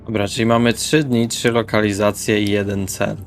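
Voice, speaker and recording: A man's voice: lowish voice, little pitch movement, moderate pace. A man speaking in character in a tabletop roleplaying discussion, organising things in somewhat formal wording. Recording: music bed under the voice. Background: background music.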